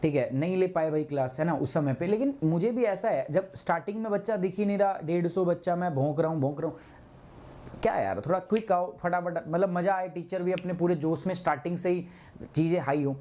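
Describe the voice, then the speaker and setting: Here a man with a high, dark-toned voice talks fairly quickly while leading a live online class. Chatty yet scolding, he moves back and forth between Hindi and English, frequently checking on his students with "ठीक है".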